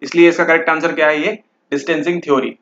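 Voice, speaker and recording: A man's voice: fairly high pitch, fairly even intonation, quick pace, a bit bright, slight background noise. Man teaching an exam lesson, dull audio. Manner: repeats "ठीक है" constantly, mixes English and Hindi. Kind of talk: explaining exam questions.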